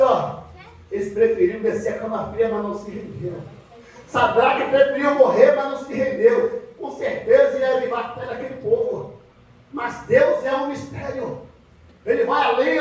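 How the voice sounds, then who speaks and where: A Brazilian man preaching a fervent Pentecostal sermon, repeating phrases emphatically and punctuating them with hallelujahs. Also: very high-pitched. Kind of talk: fervent, exclamatory church sermon. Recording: very echoey hall, distant microphone.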